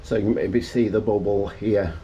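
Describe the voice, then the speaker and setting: A man's voice: lowish voice, steady tone, moderate pace, warm tone, lo-fi sound, slight background noise. A middle-aged man chatting wryly to camera as he does DIY jobs in his garage. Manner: wry, chatty asides between tasks. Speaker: DIY vlogger. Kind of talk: casual talk-to-camera while working. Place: garage and yard, partly outdoors.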